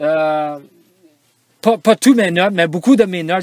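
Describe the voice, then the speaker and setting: A man is speaking. His pitch is high. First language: English (speaking French). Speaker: missionary teacher. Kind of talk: guided tour video. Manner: halting.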